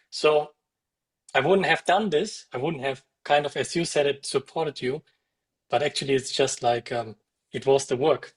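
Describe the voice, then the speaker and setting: With a German accent, a man speaks at a moderate pace in a somewhat breathy voice, the sound dry and close with no echo. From Germany. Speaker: author and coach. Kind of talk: online meeting talk.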